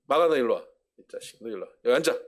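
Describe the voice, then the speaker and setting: A man voicing a blunt, gruff middle-aged male apostle who talks in a brusque, scolding way and then confesses. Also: mid-range voice, lively intonation, rapid-fire, natural voice.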